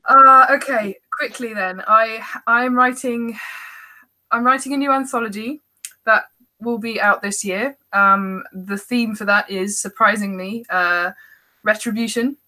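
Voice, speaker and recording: A woman's voice: a little high, unhurried, pushed and bright, poor audio. A woman speaking as a guest author in casual, informal, self-deprecating podcast conversation.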